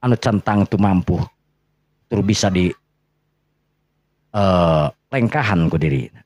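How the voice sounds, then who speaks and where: A man narrates a dramatic bedtime tale with a Sundanese accent. His voice is low and mellow, in a dry but muffled lo-fi recording. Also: measured pace, no room sound. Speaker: storyteller.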